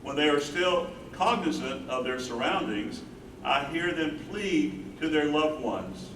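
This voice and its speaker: A man's voice: on the high side, lively intonation, a little slow, far from the mic. A man playing an earnest, grieving older husband who cares for his wife, in a dramatic staged play reading. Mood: troubled recounting. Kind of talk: staged play reading, first-person narration. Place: live staged reading in echoey room. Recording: roomy, noisy stage recording from afar.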